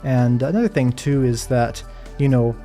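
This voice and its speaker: A man giving calm, soft-spoken live gameplay commentary while answering chat questions, with plenty of hedges and fillers. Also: medium pitch, normal speed, soft background music. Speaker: Minecraft streamer.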